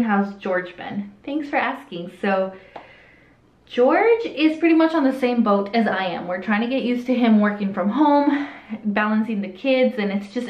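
A woman in her late twenties with a light Hispanic accent, chatting candidly as she answers viewer questions. She often trails off and restarts her sentences. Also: medium pitch. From El Salvador, raised in Southern California. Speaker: vlogger. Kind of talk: casual Q&A while doing makeup. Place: small indoor room with a curtain backdrop. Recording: roomy, slightly dull sound.

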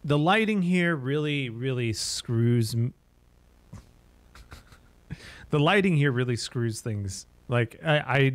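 A man's voice: mid-range voice, animated, takes it slowly, long pauses. A man in his thirties giving casual, half-joking commentary as he plays a horror game. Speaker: streamer playing a horror game. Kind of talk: casual gameplay commentary and reaction.

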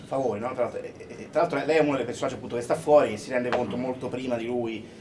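A quick-talking man with a middling pitch interviews a film cast conversationally. A busy room with chatter is heard around him. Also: steady tone.

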